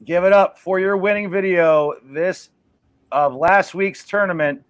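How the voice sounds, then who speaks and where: Casual male show host, slightly high voice, dry close sound. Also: a little slow, clean tone, no echo. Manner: loose, chatty, full of fillers. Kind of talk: casual livestream hosting.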